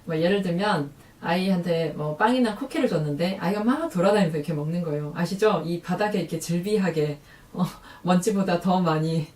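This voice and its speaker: Lively woman vlogger in an echoey room. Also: distant mic. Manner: lively, acts out quoted lines in a higher voice. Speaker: parenting vlogger. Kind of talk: casual talk to camera.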